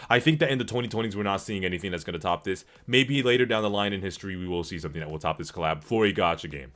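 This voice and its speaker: Low-voiced man rambling on a gaming livestream. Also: a bit bright. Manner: rambling, slangy, profane. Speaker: livestream host. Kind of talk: casual gaming stream chat, reading and answering viewer comments. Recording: music playing behind the voice. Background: background music.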